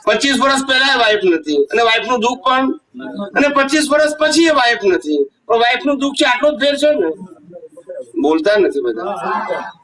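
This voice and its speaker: A spiritual teacher addresses a gathering with a devotional discourse, full of stories and rhetorical questions, often making sure listeners understood. His very high voice is expressive, brisk, bright and forceful, captured from afar.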